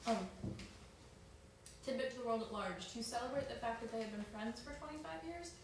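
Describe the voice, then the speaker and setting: A woman's voice: on the high side, brisk. A young woman co-hosting a casual chat show, talking loosely with lots of ums and asides. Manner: chatty, with many ums and asides. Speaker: co-host. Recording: echoey room, mic far off, noisy.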